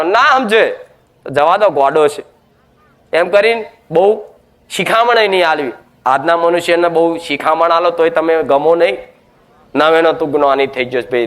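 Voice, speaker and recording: A man's voice: sits high, a bit bright. A man preaching a devotional sermon, emphatic and scolding, full of rhetorical questions.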